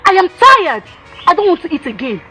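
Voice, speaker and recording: A woman's voice: very high voice, sing-song, a little fast, pushed and bright, slight background noise, exaggerated voice, rough recording. A woman with a Nigerian accent playing a fed-up, ambitious village wife who scolds and complains.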